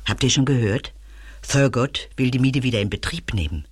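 A woman's voice: rumbling low, animated, moderate pace, husky, no echo, studio quality, heavily acted. A woman playing a down-to-earth older landlady in a German audio drama, composed, dignified and slightly resigned. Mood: composed, reminiscing. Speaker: radio play actress.

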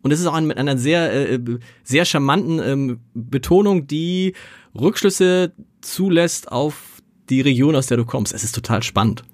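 A man's voice: a little high, animated, no room sound, studio quality. A man, a newspaper editor-in-chief, interviewing a guest in a casual, playful way. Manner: quick, playful questioning.

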